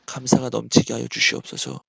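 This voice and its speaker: Gravelly man in fervent prayer. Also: mid-range voice, expressive, brisk, a bit bright, no echo. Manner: fervent, pleading, repeating petitions. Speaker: pastor praying over a sick church member. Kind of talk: intercessory prayer.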